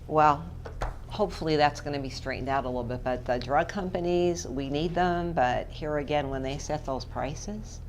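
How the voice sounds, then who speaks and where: A woman's voice: low voice, moderate pace, darkish tone, a little hiss or hum. A woman co-hosting a casual talk show, teasing and playful with her co-host. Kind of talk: casual chat. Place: hotel room.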